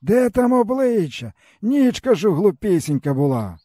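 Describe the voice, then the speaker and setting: A man performing a worn-out, starving old peasant, his voice pitched up high and lamenting in a sighing, plaintive drawl. The pitch swings widely through each complaint, with a mellow tone and a dry, close sound. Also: big pitch swings, a little slow, dry recording, full character voice. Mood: bitter lament. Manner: plaintive, sighing, folksy rural speech. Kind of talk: audiobook character voice.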